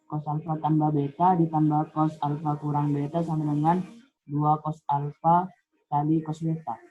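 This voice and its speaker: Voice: mid-range voice, moderate pace, breathy edge. A student answering in an online class, reading a math formula aloud. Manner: reads the formula aloud flatly. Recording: tinny phone-like call audio.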